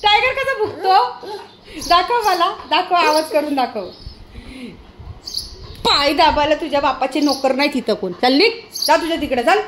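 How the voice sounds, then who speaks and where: A woman, talking casually at home and loudly scolding and calling to her pet dog. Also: high voice, normal speed. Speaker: pet vlogger. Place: home, indoors. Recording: echoey room, faint background noise.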